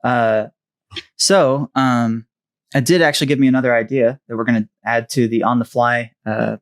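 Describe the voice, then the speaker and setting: A man's voice: medium pitch, steady tone, normal speed, smooth. A man co-hosting a podcast in casual chat, hesitant, with many fillers as he searches for words. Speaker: podcast co-host.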